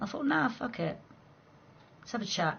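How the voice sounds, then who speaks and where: A woman talks very fast in a southeast English accent. Her pitch swings very widely. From southeast England. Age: 40s. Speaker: gaming streamer. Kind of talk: casual chat. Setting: live stream. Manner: animated.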